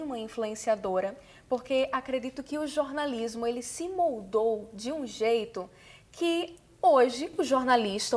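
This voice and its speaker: A young adult woman journalist chatting on a TV talk show in a poised, measured announcer manner. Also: fairly high pitch, darkish tone. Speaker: TV and radio journalist. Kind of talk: casual TV talk show chat.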